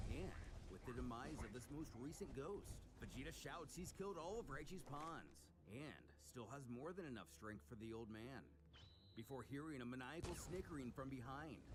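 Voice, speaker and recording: A man's voice: on the high side, very noisy. A man giving a dramatic scripted recap of a comic story as its narrator, in a theatrical storytelling manner. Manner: theatrical storytelling with voiced character lines. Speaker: narrator reading a comic aloud.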